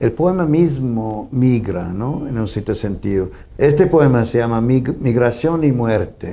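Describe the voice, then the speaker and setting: Speaking with a Tamil accent, a man uses a medium pitch and a dark, mellow tone, keeping a fairly slow pace and lively intonation. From Sri Lanka. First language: Tamil (speaking Spanish). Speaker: poet. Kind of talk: interview. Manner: halting.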